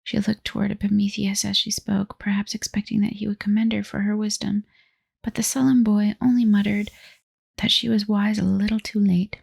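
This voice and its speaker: Woman in breathy ASMR whisper. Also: mid-range voice, little pitch movement, dry recording. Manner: slow soft storybook reading. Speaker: ASMR storyteller. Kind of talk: whispered role-play.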